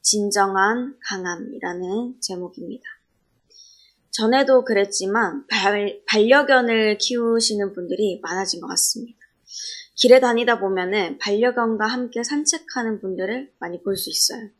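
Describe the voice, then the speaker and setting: A woman giving an early morning sermon in a calm, measured way, mixing personal stories with scripture. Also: mid-range voice. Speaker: preacher.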